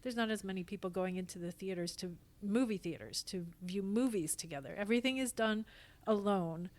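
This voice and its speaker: A theatre actor and company founder talks as a podcast guest, her mid-range voice moving a little fast. The conversation is casual and reflective, and she speaks in an earnest, emphatic way.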